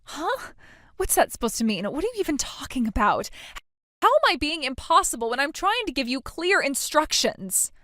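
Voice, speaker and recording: A woman's voice: high voice, very animated, moderate pace, a bit bright, dry recording, studio quality. An actress playing a self-absorbed bride who whines, stammers and makes demands of her sister. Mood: whiny, demanding. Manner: whiny, self-pitying, stammering. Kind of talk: scripted drama acting.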